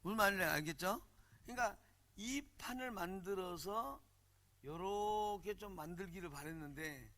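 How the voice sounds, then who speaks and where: A man preaching a sermon at a church retreat in a blunt, humorous, colloquial way, often calling out for the congregation to answer "amen.". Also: high-pitched. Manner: animated, calls for "amen" and "hallelujah" responses; colloquial, blunt and humorous, mimics regional speech. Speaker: pastor.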